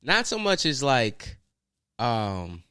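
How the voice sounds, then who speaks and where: A young man with a Baltimore accent co-hosting a podcast, talking casually in relaxed slang with lots of fillers. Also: medium pitch, slow pace, clear, resonant tone, no echo, studio quality. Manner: laid-back, filler-heavy slang talk. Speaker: podcast co-host. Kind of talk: casual chat.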